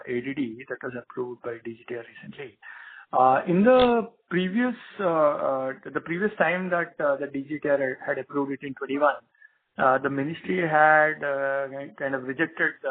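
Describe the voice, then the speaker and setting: A man asking questions as an analyst on an earnings call, polite and hesitant in his phrasing. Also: a little high. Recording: tinny narrowband phone line.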